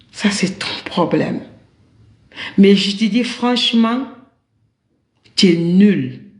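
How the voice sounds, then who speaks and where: Against audible room echo, a woman speaks at a very slow pace in a somewhat breathy voice with ordinary pitch variation. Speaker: political commentator. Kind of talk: political rant. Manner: animated.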